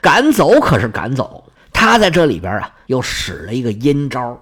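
A man's voice: mid-range voice, wildly swooping pitch, normal speed, a bit bright, breathy edge. A man telling myths in a folksy, chatty storyteller's way, with asides to his listeners.

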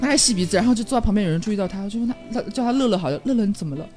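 A woman's voice: medium pitch, rapid-fire, a little mellow, soft background music. A woman co-hosting a podcast, telling a rambling story full of fillers in a casual chat. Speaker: podcast co-host.

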